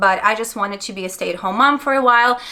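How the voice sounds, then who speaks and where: A woman with a slight Russian accent talks at a fairly quick pace in a fairly high pitch, with ordinary pitch variation. Her tone is animated, and noticeable background noise sits behind her. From Belarus. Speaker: network marketing seller. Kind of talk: personal story vlog.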